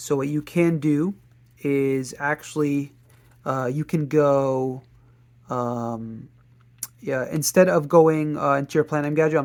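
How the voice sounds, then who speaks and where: In a put-on character voice, the speaker mumbles at a fairly slow pace with fairly even intonation. Long pauses come frequently. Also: man, fairly high pitch for a man. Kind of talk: casual tutorial explanation. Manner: mumbling, halting with many fillers.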